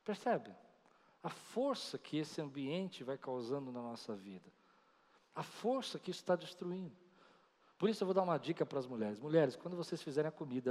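A pastor with a medium-pitched, slightly mellow voice preaches a sermon, animatedly telling stories and acting out other people's voices. The recording carries the long reverb of a large hall.

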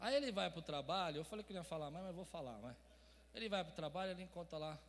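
A man preaching a sermon to his congregation, asking them for responses, going from quiet talk to loud shouts. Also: fairly high pitch, animated, quick pace. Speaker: pastor. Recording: reverberant church hall.

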